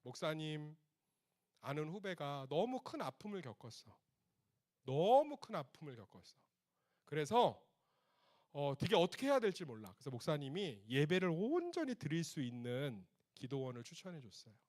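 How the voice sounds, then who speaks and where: A middle-aged man preaching a youth retreat sermon as pastor, telling stories animatedly and speaking to the teens in casual speech, swinging between loud outbursts and soft hushed passages. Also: a little high, sing-song, moderate pace.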